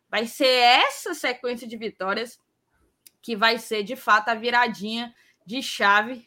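A woman's voice: a little high, pushed and bright. A woman with a Ceará accent from Northeastern Brazil and a slight lisp on her s sounds, chatting casually as a host reading viewer messages and repeating phrases for emphasis.

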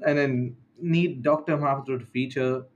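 A man's voice: mid-range voice, steady tone, moderate pace, highs cut off. A teenage boy from the Maldives hosting a casual chat, rambling and correcting himself as he reads out questions. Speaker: podcast host.

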